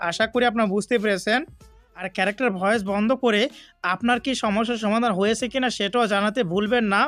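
Very high-pitched, fast-talking man. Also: fairly even intonation, fairly bright tone, no echo, faint music behind. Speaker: gaming tutorial host. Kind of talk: casual tutorial voice-over.

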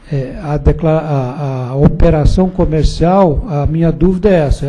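A Brazilian man on a regulatory board speaks with a very dark, husky voice set a little high. He weighs his doubts out loud, pausing and restarting as he questions his colleagues in a public meeting. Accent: Brazilian Portuguese. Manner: hesitant, thinking aloud, questioning. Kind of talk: deliberative meeting discussion.

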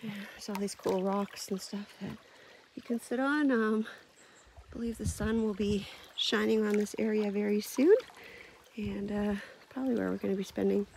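A woman's voice: mid-range voice, fairly even intonation, normal speed, gravelly, a little mellow, slight background noise. Chatty woman vlogging outdoors. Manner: chatty, laughs easily, many fillers. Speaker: camping vlogger. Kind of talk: casual outdoor vlog narration. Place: outdoors at a lakeside forest campsite.

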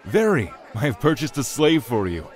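Guy doing a haggling merchant, lively, cheapskate tone. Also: medium pitch, moderate pace, faint music behind, natural voice.

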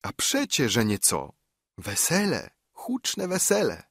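A man's voice: medium pitch, sing-song, measured pace, a bit bright, no room sound, studio quality, voice pushed up. A man voicing an old widowed mother who soothes her frightened son in a coaxing, sing-song way. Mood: cheerful.

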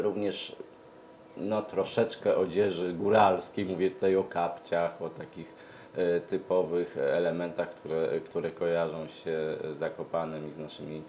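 Deep, mellow man, hesitant. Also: slight background noise. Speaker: event organizer, interview guest. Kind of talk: studio interview answers. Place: TV studio, seated at a glass desk. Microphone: lapel mic.

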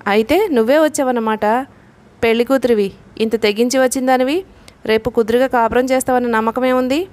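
A woman's voice: on the high side, fairly even intonation, brisk, darkish tone, lightly acted. A woman reading the lines of a sarcastic, dismissive young groom in a storybook. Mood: scornful.

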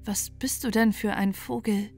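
A woman voicing a devout, gentle young wife in a bedtime fairy tale, speaking earnestly and pleadingly. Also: mid-range voice, fairly even intonation, normal speed, soft background music, close to an everyday voice. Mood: gentle, grateful.

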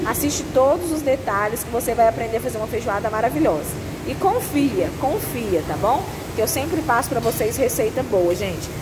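A woman's voice: fairly high pitch, background noise. Chatty Brazilian woman touring a buffet. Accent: Brazilian Portuguese. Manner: chatty and instructive, checking in with viewers. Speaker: restaurant owner's family and cooking channel host. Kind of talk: walkthrough vlog of a buffet. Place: indoor self-service restaurant buffet. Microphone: handheld phone while walking. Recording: restaurant ambience behind the voice.

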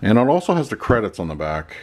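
A man in his thirties with a lowish voice talks fast and very animatedly while reviewing a movie disc at home, in a room with shelves of discs. He chats loosely before reading out a written review.

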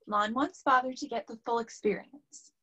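A young woman playing a brisk, teasing daughter in a staged reading. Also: on the high side, pushed and bright, slightly rough. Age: young adult.

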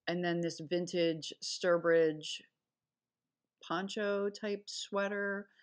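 A woman with a low-set voice talks casually over a screen recording, listing what she sold. She rambles a little, trailing off and correcting herself as she goes. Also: fairly even intonation, extremely slow. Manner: chatty, rambling with fillers and self-corrections. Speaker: online reseller.

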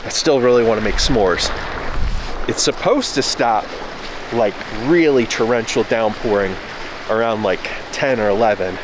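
A man in his thirties vlogs from inside his parked car at night, sounding low-key and a bit defeated, mocking himself as he goes. His voice sits on the low side. A faint hum of noise is there behind him. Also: a little slow. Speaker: vlogger. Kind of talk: casual solo vlog. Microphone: camera close by in the car.

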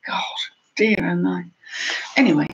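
A woman chats on a live stream from a room at home, greeting viewers by name and teasing herself as she goes. She sounds a little out of breath, and her voice has a gravelly fry. The webcam sound is dull and lo-fi, with a faint hiss behind it. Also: lowish voice, expressive, unhurried. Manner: chatty, greets viewers by name, self-deprecating. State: slightly out of breath. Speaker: reseller vlogger. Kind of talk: casual live-stream chat.

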